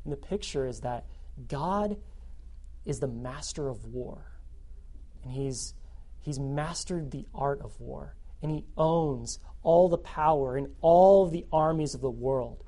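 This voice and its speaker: Speaking slowly at a medium pitch, a man preaches to his student congregation as youth pastor. He's lively and repeats key phrases to stress them.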